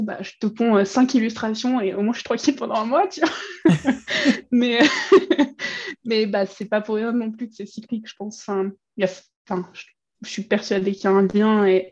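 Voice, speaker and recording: A woman's voice: mid-range voice, steady tone, brisk, a little mellow. Giggly woman illustrator, dull lo-fi sound. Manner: chatty, laughs often, many fillers. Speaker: illustrator guest. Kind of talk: casual podcast interview.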